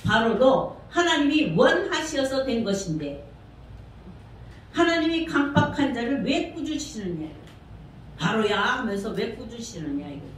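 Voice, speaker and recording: Recorded from far off in a very reverberant church sanctuary, with slight background noise, a woman pastor preaches at a measured pace. Her voice sits a little high and is very animated as she talks conversationally and questions the congregation.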